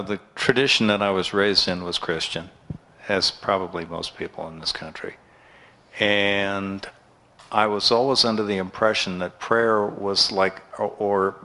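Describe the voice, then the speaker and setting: A man in the audience offers a rambling, thoughtful remark. His voice is very deep and flat, with a bright, forceful edge. A light hiss sits behind him. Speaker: audience member.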